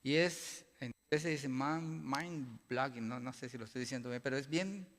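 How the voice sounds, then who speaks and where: A man preaching a sermon as pastor, asking his congregation rhetorical questions and building to loud, emphatic passages. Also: medium pitch, fairly quick, a little hiss or hum. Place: church sanctuary. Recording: long church-hall reverb.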